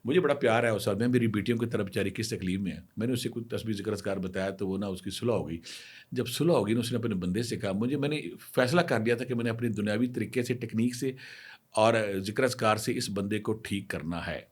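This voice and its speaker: A middle-aged man tells cautionary stories as a spiritual healer. His voice sits fairly low and comes across husky, and he drives his advice home with emphasis, speaking directly to the women watching. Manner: anecdotal, emphatic, speaks straight to women viewers. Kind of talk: storytelling advice talk.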